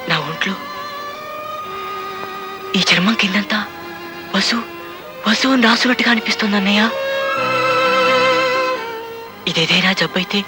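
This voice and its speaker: A man's voice: sits high, lightly acted, rough recording. An actor playing a lovesick younger brother lamenting that he cannot forget the girl. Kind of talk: emotional film dialogue.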